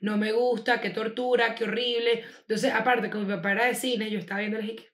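A woman's voice: a little high, fairly even intonation, brisk, fairly bright tone. Opinionated Venezuelan woman in an echoey room. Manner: blunt, opinionated, acts out quotes. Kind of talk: casual chat. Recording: roomy echo.

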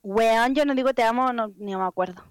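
A young woman with a Chilean accent, telling a story in a casual chat, expressive and full of slang. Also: fairly high pitch, a little fast, clean tone, no echo, clean studio sound. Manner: expressive, slangy storyteller who acts out quotes.

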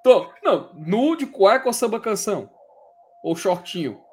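Lively high-voiced man joking. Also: unhurried, husky. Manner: joking, teasing banter. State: tired. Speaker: podcast co-host. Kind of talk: casual chat.

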